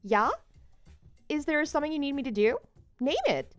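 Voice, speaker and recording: A woman playing a devoted but slightly needy wife in a scripted online story drama, speaking in an expressive, conversational way. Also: sits high, moderate pace, no echo, soft background music, lightly acted. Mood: supportive.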